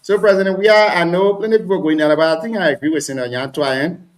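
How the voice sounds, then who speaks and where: Speaking fast in a slightly high voice, a man from Liberia debates politics on a talk show panel. He's animated and argumentative and tends to repeat words when launching into a point.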